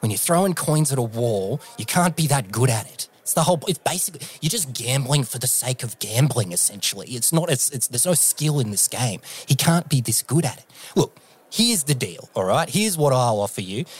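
A man narrating a tabletop game as game master, lively and quick with his asides. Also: mid-range voice, breathy edge. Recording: background music.

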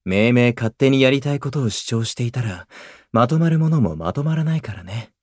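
A man's voice: mid-range voice, lively intonation, normal speed, no echo, studio quality, close to an everyday voice. A man playing a young idol in a voice drama who speaks in formal, archaic, literary Japanese. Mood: calm, thoughtful. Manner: formal, old-fashioned, scholarly wording. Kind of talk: anime-style voice drama acting. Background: music.

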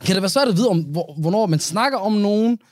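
Relaxed halting man, dry close sound. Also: high voice, no room sound. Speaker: podcast co-host. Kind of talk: casual chat.

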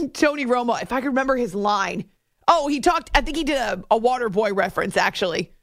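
A woman hosting a sports radio show in a chatty, animated monologue from a studio. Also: fairly high pitch, a little fast, dry recording. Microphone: close studio microphone.

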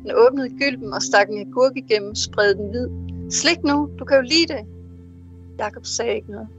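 Higher-voiced woman author, hesitant speech. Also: lo-fi sound, soft background music. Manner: hesitant with many fillers when speaking freely. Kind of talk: interview answers and reading aloud from her novel.

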